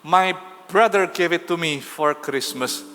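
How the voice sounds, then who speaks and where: A man's voice: a little high, slow pace. A man voicing a friendly grown man who speaks in an easygoing, obliging way. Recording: reverberant church hall with soft music.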